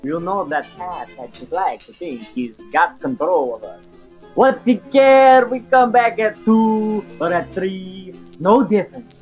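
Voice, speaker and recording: A swaggering, crude drunk man, acted out by a male actor in an audio drama, always ready for a fight. His voice sits a bit high, and the sound is slightly dull with faint music behind. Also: sing-song, a little slow. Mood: belligerent. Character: cocky, belligerent drunk man itching to fight. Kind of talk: audio fiction acting.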